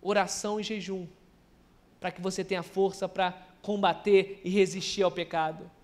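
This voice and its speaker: A man's voice: high voice, little pitch movement, moderate pace. A Brazilian man preaching a sermon at a church service, earnestly acting out quoted lines and often restarting his words. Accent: Brazilian Portuguese.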